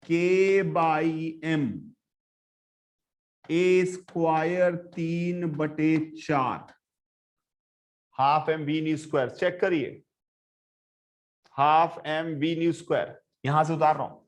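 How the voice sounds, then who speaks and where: Animated male physics teacher. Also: a little high, takes it slowly, pauses often. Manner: animated, swings between soft and loud, addresses students directly. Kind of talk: classroom lecture. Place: classroom.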